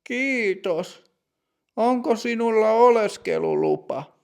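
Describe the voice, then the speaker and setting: Strict older female bank teller, put on by a man; raised pitch, gravelly, precise, for a storybook lesson. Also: huge pitch swings, heavily acted. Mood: stern. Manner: slow, precise, formal.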